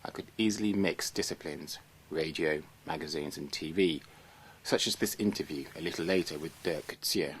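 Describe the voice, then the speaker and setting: A man's voice: very deep voice, moderate pace, slight background noise. A man giving scripted first-person documentary narration. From Britain. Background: music.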